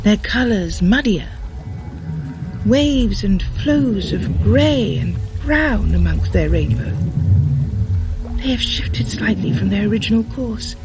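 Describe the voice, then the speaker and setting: An actress playing a wise, regal goddess in a fantasy audio drama, grave and formal in manner. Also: female voice, mid-range voice, expressive. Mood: grave, focused. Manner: solemn, measured, formal. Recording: music behind the voice. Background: music.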